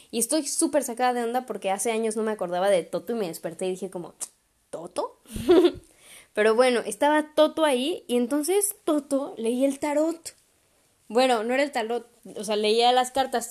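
A woman's voice: on the high side, darkish tone. A young woman in her twenties with a Mexican accent, hosting a podcast and telling a story casually, chatty and slangy, with frequent swearing. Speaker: podcast host.

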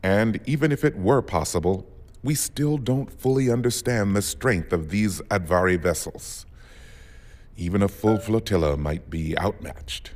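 Low, commanding admiral played by a man, hall reverb. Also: measured pace, darkish tone, close to an everyday voice. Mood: grave, resolute. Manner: authoritative, clipped, formal. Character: stern, commanding military fleet admiral, grave and decisive. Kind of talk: science fiction audio drama acting. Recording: long echo of a large hall.

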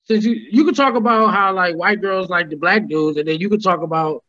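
High bright-voiced young comedian, slangy. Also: male voice, brisk. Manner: relaxed slangy storytelling, laughs often. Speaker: stand-up comedian guest. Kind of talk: casual podcast chat. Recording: slightly dull lo-fi sound.

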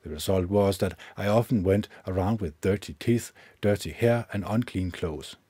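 A man hosting his own podcast, reading a self-help book aloud in a measured way, with occasional slips he corrects himself. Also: low voice, warm tone, breathy edge, no room sound. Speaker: podcast host. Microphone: own microphone with gain up and low cut filter.

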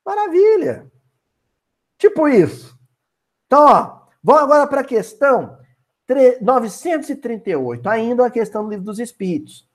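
Speaking at a moderate pace in an extremely high-pitched voice, a man runs a Spiritist Bible study lesson. His style is lively and informal, and he keeps asking the audience questions.

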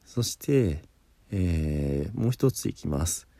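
A man's voice: deep voice, lively intonation, takes it slowly, dark tone, no room sound. A man teaching pronunciation in a patient spoken lesson, explaining step by step and demonstrating sounds.

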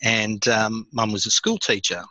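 An Australian man in his fifties tells his family's story at an easy pace, stopping often on fillers and restarts. His voice is bright and forward, recorded dry and close with no room sound around it. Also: on the low side, measured pace, no room sound, low-quality recording. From born in India, raised in Sydney, Australia. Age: 50s. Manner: relaxed, many fillers and restarts. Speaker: podcast guest. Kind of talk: conversational storytelling.

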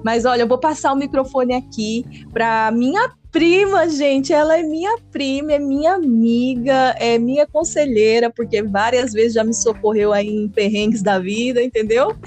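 A woman's voice: on the high side, normal speed, hardly any pauses, darkish tone. A woman with a Brazilian Portuguese accent hosting a casual Christian podcast, chatty and full of tag questions. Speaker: podcast host. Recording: faint background music.

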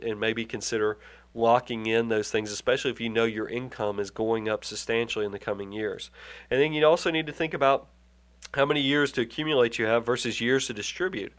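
A man hosts a personal finance program while nursing a head cold. He explains tax rules in an earnest, conversational way, often restarting and repeating words as he works through a point. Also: medium pitch. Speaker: financial advisor hosting a money show. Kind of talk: conversational radio-style advice.

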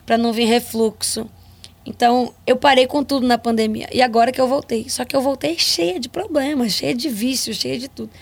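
A hoarse woman with a Brazilian Portuguese accent, a singer chatting frankly and jokingly in an interview. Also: on the high side, brisk. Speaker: singer guest. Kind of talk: casual interview chat.

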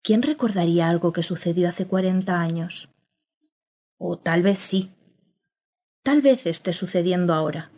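Woman doing a journalist narrating in first person, low voice, reflective and a bit bitter, radio drama. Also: moderate pace, pauses often, darkish tone.

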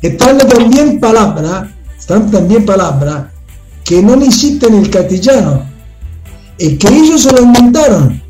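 A man's voice: sits high, very animated, unhurried, darkish tone. A man in a casual interview, talking animatedly and mixing languages mid-sentence. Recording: echoey room, faint music.

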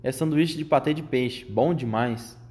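A man reading aloud and voicing a spoiled, greedy boy who has been turned into a mouse, often shouting indignantly. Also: medium pitch, measured pace, lightly acted.

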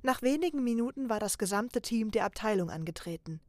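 A woman narrating a children's holiday story in a soft, even storytelling voice. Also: fairly high pitch, a little fast, no room sound, studio quality. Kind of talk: storybook reading.

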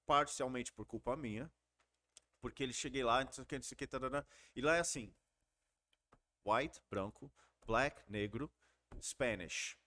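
A man's voice: mid-range voice, moderate pace, pauses often. Slangy Brazilian man telling stories. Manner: slangy, animated storytelling. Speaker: podcast guest. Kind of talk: casual storytelling chat.

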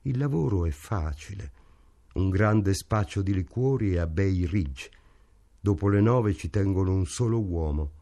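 A man reading an audiobook, voicing a crude young crook who talks slowly and sneers threats. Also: sits low, lively intonation, mellow. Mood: sneering.

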